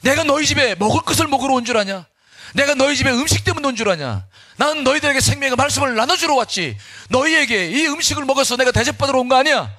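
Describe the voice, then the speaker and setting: A stern, authoritative teacher firmly rebukes his listener, as a preacher acts him out. The voice rises high and emphatic, with a husky grain. His lines swing with strong, lively stress. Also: quick pace, no echo, clean studio sound, full character voice. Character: calm authoritative male teacher, firm and stern.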